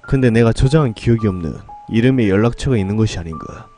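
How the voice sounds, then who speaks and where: A man's voice: lowish voice, expressive, quick pace, dark tone, soft background music. A man narrating a first-person horror tale in a dramatic, scripted storytelling style.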